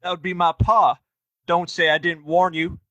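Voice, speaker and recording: A cocky young frontier lawman, played by a man, pitched high for a male voice. He taunts in folksy Western talk with a bright, forceful edge, recorded close and dry. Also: flat delivery, moderate pace, no room sound, lo-fi sound. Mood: smug. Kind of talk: audio play Western acting.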